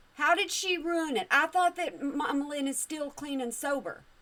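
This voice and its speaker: A woman's high-pitched voice amid noticeable background noise. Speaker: reaction co-commentator. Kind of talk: casual reaction commentary. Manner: habitually loud.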